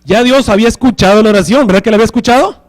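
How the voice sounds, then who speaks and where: High-voiced pastor preaching a sermon. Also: male voice, racing. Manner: keeps asking the congregation rhetorical questions.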